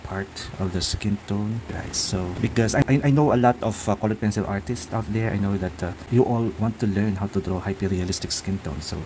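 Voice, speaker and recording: Filipino-accented man, lowish voice, halting tutorial talk, noisy background hum. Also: a little mellow. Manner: halting, many fillers and restarts. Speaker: art tutor. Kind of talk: real-time drawing tutorial narration.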